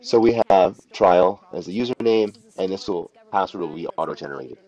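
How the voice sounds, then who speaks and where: A man with a low-pitched voice talks through a screen-recorded tutorial. He sounds unscripted and instructional, laying out each step deliberately as he goes. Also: darkish tone, dull audio. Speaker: tutorial presenter. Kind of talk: unscripted step-by-step software walkthrough.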